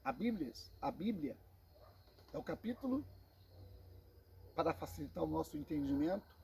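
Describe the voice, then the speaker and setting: A Brazilian man with a Brazilian Portuguese accent teaching a Bible sermon, slow and emphatic, repeating phrases and calling listeners brothers. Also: on the high side, sing-song, creaky, dark tone, a little hiss or hum. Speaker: preacher.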